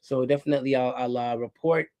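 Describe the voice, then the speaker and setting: A man appearing as a guest on a live talk stream, speaking casually in a relaxed, hesitant way with fillers. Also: medium pitch, quick pace, a crowd in the background. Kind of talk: casual conversation.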